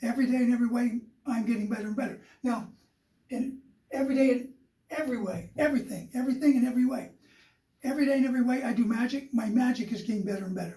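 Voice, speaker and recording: Speaking at a very fast pace with long, frequent pauses, a man uses an extremely high pitch, a dark, mellow tone and fairly even intonation. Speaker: sales coach and mortgage business owner. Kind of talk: motivational talk. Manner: slight stutter; repetitive, emphatic.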